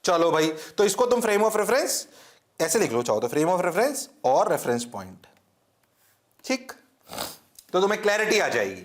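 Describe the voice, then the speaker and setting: Very animated yet a little slow and full of pauses, this high-voiced Indian man teaches physics lecture-style in an echoey room. He poses questions, answers them on his own, checks over and over that students are following, and mixes English terms into his Hindi.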